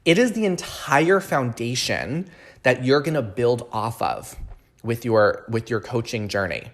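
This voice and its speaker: A man's voice: medium pitch, lively intonation, a little slow. A man speaking as a podcast host and coaching trainer, explaining things in an earnest, emphatic way and often checking in with the listener. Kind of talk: solo podcast talk, promotional explainer.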